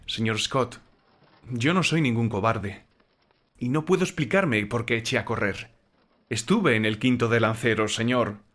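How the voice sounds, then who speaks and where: A man's voice: mid-range voice, a little slow, a bit bright. A man playing a young ex-soldier servant in a dramatized horror audiobook, frightened yet defensive and deferential to his master. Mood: ashamed, defensive. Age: young adult. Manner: deferential, repeatedly addressing his master as sir.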